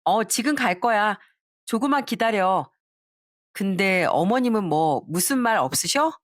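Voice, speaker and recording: A woman's voice: medium pitch, animated, unhurried, dry recording, studio quality, lightly acted. A woman voicing a sly, defensive young wife with a sweet, evasive tone. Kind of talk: storytelling voice acting.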